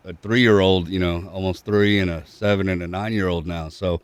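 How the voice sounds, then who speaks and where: Smooth, low-voiced man in his forties. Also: steady tone, normal speed, no echo. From Texas, United States. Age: 40s. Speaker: podcast co-host, voiceover artist. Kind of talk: casual chat.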